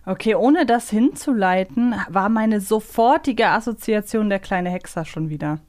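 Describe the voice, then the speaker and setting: A woman's voice: mid-range voice, moderate pace, a little mellow. A woman hosting a podcast in casual conversation, playful and teasing as she talks. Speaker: podcast host. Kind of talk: casual chat.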